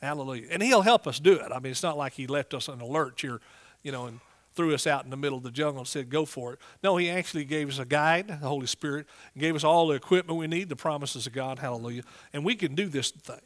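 A man's voice: fairly high pitch, fast talker. A middle-aged man with an East Texas accent preaching a sermon in a folksy, emphatic way, prompting listeners as he goes.

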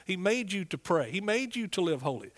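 Male preacher, middle-aged, East Texas accent, slightly high voice, folksy, emphatic, sermon delivery. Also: very animated, brisk, a bit bright. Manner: folksy, emphatic, prompts listeners with amens and hallelujahs.

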